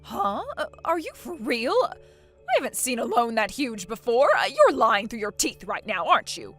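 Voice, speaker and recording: A woman plays a bossy middle-aged mother-in-law, loud and demanding in a dramatized story. Her voice sits high and swings widely as she scolds. Soft music plays underneath. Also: sing-song, moderate pace. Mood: alarmed.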